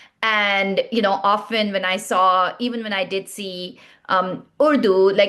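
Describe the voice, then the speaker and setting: In a Pashto accent, a woman with a medium-pitched voice speaks with ordinary pitch variation over a quiet background. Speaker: game platform founder. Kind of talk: panel discussion.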